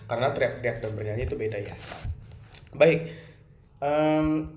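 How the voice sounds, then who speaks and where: A male teacher with a Jakarta Indonesian accent plainly explains a music lesson recorded for students, posing questions and answering them himself. His medium-pitched voice is a little mellow and moves at a moderate pace. The recording is roomy, with faint ambience and slight background noise.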